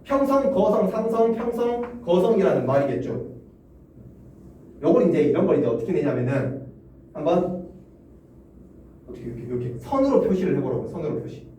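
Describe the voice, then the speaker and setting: Lively male teacher in an echoey classroom. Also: a little high, fairly quick, pauses often. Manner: lively, asks students questions, chuckles often. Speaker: Korean language teacher. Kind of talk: classroom lecture. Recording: roomy classroom echo, distant mic, faint hum.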